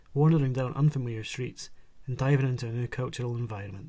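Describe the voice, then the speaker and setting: In a very clean recording with a silent background, a man with a medium pitch and a dark, mellow, somewhat breathy tone talks very fast with ordinary pitch variation. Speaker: student. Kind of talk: scripted narration. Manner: formal.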